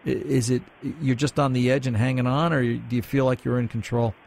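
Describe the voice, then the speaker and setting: A man's voice: mid-range voice, fairly even intonation, brisk, creaky, darkish tone. A man hosting a call-in car radio show, chatting in a folksy, opinionated way with callers. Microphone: studio mic.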